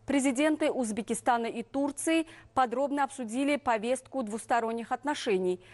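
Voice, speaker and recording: A woman news reader delivering formal scripted news in an official, measured manner. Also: on the high side, a little mellow.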